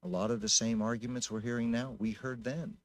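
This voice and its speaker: Gravelly American councilman, swinging pitch. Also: animated, fairly quick. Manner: emphatic, repetitive. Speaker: city council member. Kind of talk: impromptu public meeting remarks. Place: city council meeting room.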